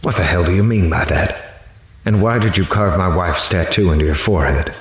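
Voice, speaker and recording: A man's voice: deep voice, fairly quick, husky. A man playing a grave, horrified reporter in a horror audio drama, dramatically telling his story in the first person. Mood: accusing. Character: horrified male reporter recounting an interview with a killer. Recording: music underneath.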